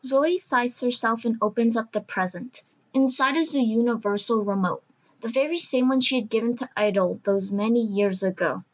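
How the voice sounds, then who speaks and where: A woman's voice: a little high, normal speed, low-quality recording. A woman reading scripted narration for an audio drama.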